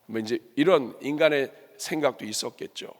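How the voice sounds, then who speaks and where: A man's voice: medium pitch, normal speed. A male pastor preaching a sermon to his congregation, asking them questions and acting out the complaints of others. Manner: lively, asks the congregation questions and acts out complaints. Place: church sanctuary. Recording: long church hall reverb.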